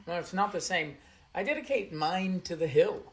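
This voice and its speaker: A man's voice: high-pitched, expressive, moderate pace. Joking man in his forties. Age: 40s. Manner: joking, teasing, with dry jokes. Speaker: podcast co-host. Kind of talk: casual chat.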